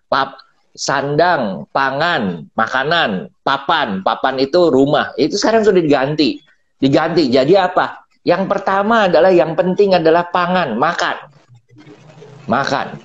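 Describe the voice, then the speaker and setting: The audio is dull, picked up by a phone mic, as a high-pitched middle-aged man livestreams an easygoing business pep talk. Lively and story-driven, he acts out quotations and breaks into laughter often.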